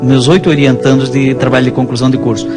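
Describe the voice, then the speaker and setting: A man with a Brazilian accent, a priest, talking conversationally about faith and telling stories in a halting, rambling way. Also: mid-range voice, flat delivery. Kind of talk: conversational religious storytelling. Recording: music playing behind the voice.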